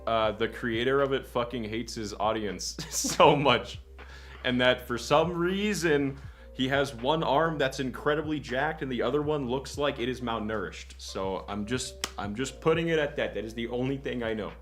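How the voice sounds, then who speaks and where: A man's voice: medium pitch, moderate pace, a bit bright. A young man chatting casually on a livestream as a guest, rambling and self-deprecating, swearing casually. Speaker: guest content creator. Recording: lofi music playing faintly behind.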